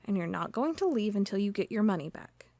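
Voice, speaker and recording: A woman delivering scripted audio-drama narration and dialogue in a dry, deadpan manner. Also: mid-range voice, a little fast, no room sound.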